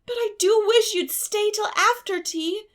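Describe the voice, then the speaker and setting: A woman's voice: very high voice, unhurried, a bit bright, voice pushed up. A woman voicing a dramatic, effusive young girl in a storybook, with a gushing, wailing manner. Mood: anxious, pleading.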